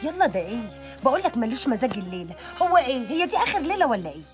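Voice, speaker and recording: Cranky egyptian wife, high swooping voice, snapping fast. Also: female voice, big pitch swings, soft background music. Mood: irritated. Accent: Egyptian Arabic. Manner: snappish, complaining. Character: irritable wife, refusing and sharp-tongued.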